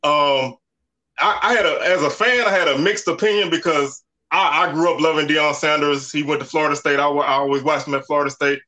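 Bright-voiced man in his forties. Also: fairly high pitch, brisk. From Southern United States. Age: 40s. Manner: relaxed, conversational, lots of "you know" and "man". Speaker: podcast guest. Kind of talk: casual sports talk.

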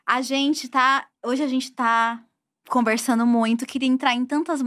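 A woman's voice: high-pitched, steady tone, measured pace, fairly bright tone, a little hiss or hum. A woman hosting a podcast, chatting casually and laughing as she runs a word game with her guests. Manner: bubbly, laughs often, announces game categories. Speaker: podcast host. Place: studio.

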